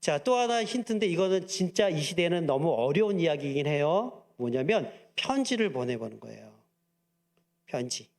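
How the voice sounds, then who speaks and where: A man's voice: a little high, normal speed. A male pastor preaching a sermon, often asking the congregation questions and acting out little quoted lines. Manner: lively, asks the congregation questions and acts out quotes.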